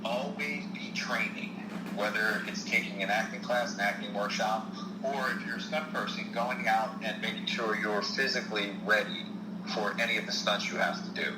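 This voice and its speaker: A man's voice: on the low side, fairly even intonation, normal speed, reverberant, heavy background noise. A man with a South Jersey, Philadelphia-area accent, an actor and stunt performer giving earnest advice in an interview. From South Jersey, United States. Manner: earnest, repeats key points for emphasis. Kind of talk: podcast interview.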